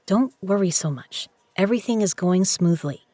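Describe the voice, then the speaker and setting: A woman's voice: mid-range voice, expressive, moderate pace, dark tone, no echo, natural voice. A woman playing a tough, guarded poker legend in an audio drama, with a blunt, sardonic way of talking. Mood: wry.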